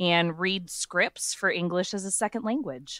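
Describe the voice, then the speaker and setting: A woman's medium-pitched voice in an Upper Midwest accent, at a moderate pace, on a very clean recording with a silent background. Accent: Upper Midwest (Minnesota). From Minnesota, Twin Cities. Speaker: podcast guest, social media gardener. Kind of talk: casual chat.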